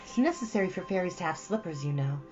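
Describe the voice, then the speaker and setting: A woman's voice: fairly low pitch, expressive, fast talker, a little mellow, dull audio, faint music behind, voice pushed up, natural voice. A woman voicing an eager, dramatic young girl from a storybook, gushing breathlessly and theatrically. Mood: chattering, excited. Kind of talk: storybook character voice.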